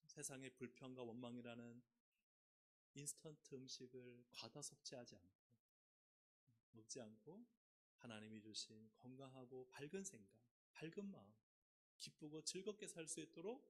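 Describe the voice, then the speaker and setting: A male pastor preaching a sermon in a church, asking the congregation questions and leading them in reading aloud. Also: fairly bright tone. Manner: asks the congregation questions and leads responsive reading with sweeping pitch swings. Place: church sanctuary.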